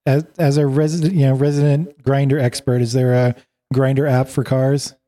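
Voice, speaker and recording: Man, medium pitch, soft mellow tone; chatty, hesitant podcast panelist. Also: level tone, normal speed. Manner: chatty, hesitant, many fillers. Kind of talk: casual tech news chat.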